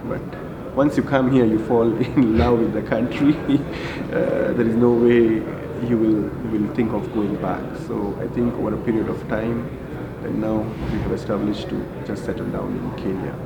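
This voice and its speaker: A man from India, in his forties, answering interview questions as a hotel group general manager, halting with many fillers and restarts. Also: lowish voice, steady tone, vocal fry, dull audio, heavy background noise. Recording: echoey room with loud ambience.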